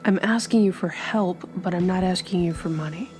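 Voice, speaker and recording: Tabletop game role: down-on-his-luck male gumshoe, low, hushed, halting, defensive female performer. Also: faint music behind, close to an everyday voice. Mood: defensive, pleading. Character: down-on-his-luck male private investigator, evasive, pleading.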